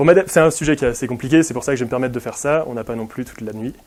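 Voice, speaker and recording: A man talks at a very fast pace. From France, Pyrénées-Orientales. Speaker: engineer and climate consultant, lecturer. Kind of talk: lecture-performance.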